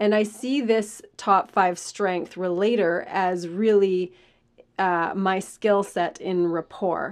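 Quiet background, with a woman speaking very slowly in a Canadian accent. Her pitch is medium and her intonation fairly even. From Canada. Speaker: podcast host and executive coach. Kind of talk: solo podcast talk on leadership skills.

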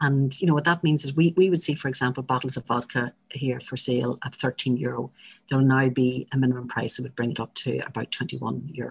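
In a Northern Irish accent, a woman with a very deep, low pitch talks at a fairly quick pace with hardly any pauses, somewhat breathy and fairly even in intonation. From Northern Ireland. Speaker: chief executive of alcohol advocacy charity. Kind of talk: interview. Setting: remote podcast recording. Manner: halting.

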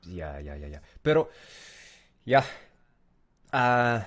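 Over a silent background in a very clean recording, a man speaks at a very slow pace. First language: English (speaking Spanish). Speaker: podcast co-host, Spanish learner. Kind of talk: casual chat. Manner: halting.

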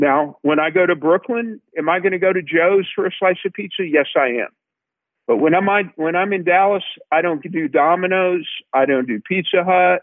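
Speaking at a high pitch for a man, he moves at a moderate pace with ordinary pitch variation. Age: 60s. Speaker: nutrition and fitness enthusiast. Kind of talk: interview.

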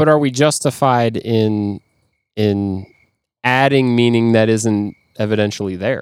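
At a fairly slow pace, a man with an American accent speaks at medium pitch and very even loudness, his pitch varying in an ordinary way. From Rochester, Minnesota. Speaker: atheist guest. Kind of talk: casual discussion. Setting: outdoors in a backyard.

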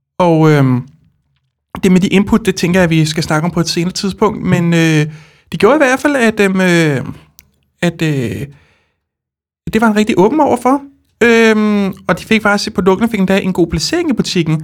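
Long pauses come often as a man talks at a fairly slow pace. His voice sits at a high pitch. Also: lively intonation. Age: 30s. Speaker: office worker and volunteer. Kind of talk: interview. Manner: halting.

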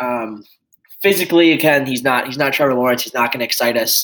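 In a plain, everyday voice with an American accent, a man talks at a fairly quick pace, his medium pitch showing ordinary pitch variation. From Chicago. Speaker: sports podcast co-host. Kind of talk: casual chat.

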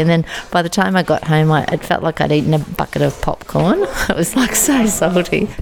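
Speaking with an Australian accent, a woman keeps a moderate pace over noticeable background noise. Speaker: cooking course student. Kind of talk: interview. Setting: kitchen during feast preparation.

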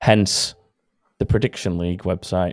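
With a Yorkshire accent, a man talks at a fairly slow pace in a very deep, low voice. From Sheffield, Yorkshire, England. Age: 30s. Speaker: motorsport podcast host. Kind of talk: casual chat.

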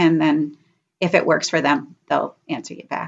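This woman has an ordinary speaking voice with an American accent. Her pitch is fairly low, and her pace is moderate. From Rochester, New York. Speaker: former nurse and animal project founder. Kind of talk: casual interview.

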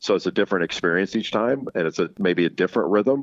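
A man at a fairly low pitch with an American accent and very wide pitch swings. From Los Angeles, US West Coast. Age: 50s. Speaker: basketball color commentator. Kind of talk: interview. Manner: halting, frequent fillers and repetitions.

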